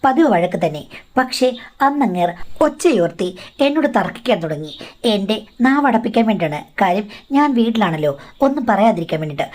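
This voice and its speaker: A woman's voice: mid-range voice, sing-song, brisk, a little mellow. A woman narrating a first-person life story in a conversational, confiding way.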